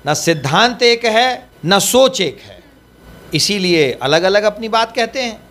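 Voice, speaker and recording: A man's voice: high voice, lively intonation, measured pace, a bit bright. A man speaking as a party spokesperson in a political interview, emphatic and rhetorical, repeating his points.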